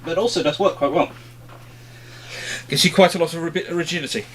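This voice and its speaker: Higher-pitched man explaining informally. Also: brisk, fairly bright tone, a little hiss or hum. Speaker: host of a history question-and-answer show. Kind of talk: informal unscripted explanation, question-and-answer chat.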